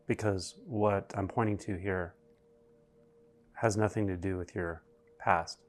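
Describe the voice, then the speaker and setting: Low, even-voiced man guiding meditation. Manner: slow, deliberate, with long pauses between phrases. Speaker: meditation guide. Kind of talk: guided meditation narration.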